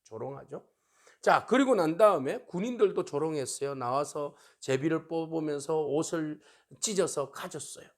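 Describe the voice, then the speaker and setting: A male pastor preaching a sermon in an animated way, often asking his listeners to agree and acting out the taunts of mockers. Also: on the high side, normal speed. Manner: asks the congregation for agreement.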